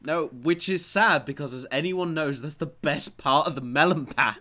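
A man's voice: on the high side, moderate pace, bright, forceful tone. A man co-hosting a casual news chat, joking in a dry way with plenty of ums and uhs. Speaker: podcast co-host.

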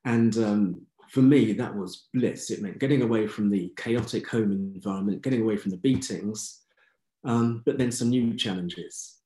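A man in his sixties with a well-spoken English accent, recounting his life story as an interview guest in a measured, candid way. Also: fairly low pitch, warm tone, echoey room, low-quality recording. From England. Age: 60s. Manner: measured, candid, matter-of-fact. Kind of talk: reflective life-story telling.

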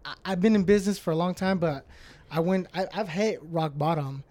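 Podcast guest: man, early thirties, fairly high voice, loose and rambling, swears a lot. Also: fairly quick, darkish tone. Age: 30s. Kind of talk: casual chat.

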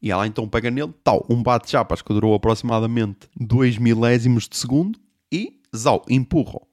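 Animated man telling a story. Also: medium pitch, a little fast, dry recording, studio quality. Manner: animated, swearing, sound effects. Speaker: podcast host. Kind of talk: comic storytelling.

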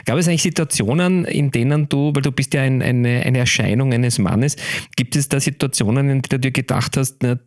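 A man's voice: medium pitch, brisk. A man hosting an interview, asking chatty questions and ending them with little tag words. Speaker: podcast host.

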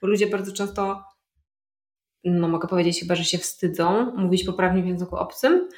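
A woman's voice: fairly low pitch, moderate pace. Explaining woman in a roomy space. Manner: explanatory, thinks aloud with fillers. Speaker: polyglot guest. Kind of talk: casual interview conversation.

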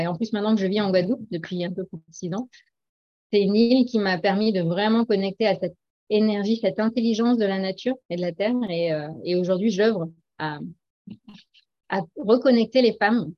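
A middle-aged woman speaking as a guest in a casual interview, earnest and hesitant, with frequent laughs. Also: lowish voice. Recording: dull lo-fi audio.

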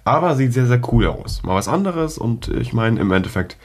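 A man's voice: medium pitch, very animated, normal speed. A teenage boy hosting his own podcast, talking in a rambling, slangy, casual way while sick with a cold and coughing now and then, close to his microphone. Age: teens. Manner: rambling, slangy, many fillers. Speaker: podcast host. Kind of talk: casual solo podcast chat. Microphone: close podcast mic.

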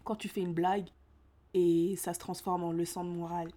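A woman co-hosting a casual chat, telling animated stories and slipping English phrases in. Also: fairly low pitch, moderate pace. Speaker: podcast co-host.

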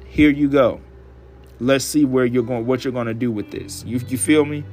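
A male podcast host talking alone in a casual, chatty way, blunt and profane, his voice hoarse and raspy from a dry throat. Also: medium pitch, steady tone, moderate pace, darkish tone, a little hiss or hum. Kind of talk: casual solo podcast monologue.

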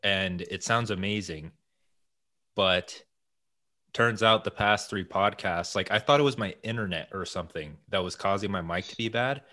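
Deep-voiced man hosting a casual podcast. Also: moderate pace, bright, forceful tone. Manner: casual, swears freely, rambling. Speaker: podcast host. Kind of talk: casual chat. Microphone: headset-style headphone mic over video call.

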